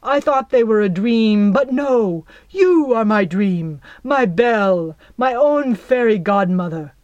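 A woman's voice: a little high, expressive, takes it slowly, darkish tone, no room sound, lo-fi sound. A woman reading an audiobook, voicing a scheming young male giant who sweet-talks in a theatrical, coaxing way.

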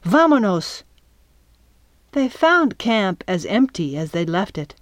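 A woman narrating a children's chapter book in a calm, measured reading. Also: medium pitch, no room sound. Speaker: audiobook narrator. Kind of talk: scripted narration.

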